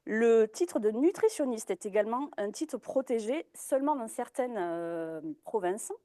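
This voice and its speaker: A woman's voice: on the high side, lively intonation, measured pace, dark tone, dry recording. A young woman giving a presentation as a dietitian, hesitant, with many fillers and restarts. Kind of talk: informal talk presentation.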